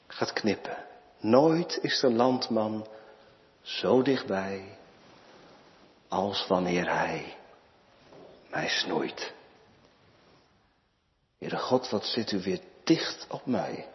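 Male preacher, sermon delivery, very lively pitch, drops to hushed words, muffled church sound. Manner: slow, lively preaching with dramatic pauses and sudden drops to near whispers. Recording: muffled church recording with long reverb.

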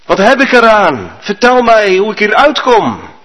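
A preacher voicing a desperate man who cries for help from the bottom of a deep pit, in a reverberant church. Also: sing-song, a little slow, fairly bright tone, full character voice. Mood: pleading. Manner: pleading, crying out.

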